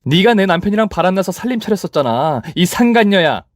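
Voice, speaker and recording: A man's voice: fairly high pitch, sing-song, moderate pace, no room sound, clean studio sound. A man voicing a tough, vengeful young woman who mocks with crude insults. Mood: taunting. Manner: taunting, crude.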